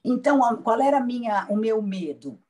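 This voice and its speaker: A woman's voice: on the high side, lively intonation, a little fast, dark tone. A woman from Brazil, a patient, telling her experience in a casual roundtable, reflective and hesitant with restarts.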